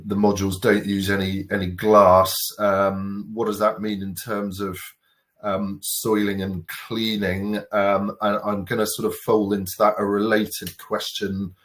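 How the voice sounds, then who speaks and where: A man moderating a webinar, putting audience questions to the speaker with many ums and uhs. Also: lowish voice. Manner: hesitant, many fillers while framing questions. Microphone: video call with camera off.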